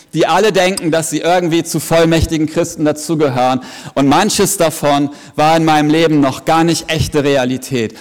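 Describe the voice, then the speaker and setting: A man preaching a sermon in an emphatic, earnest way with joking asides, heard in a large hall at an evening service. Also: a little high. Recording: long reverb of a big hall.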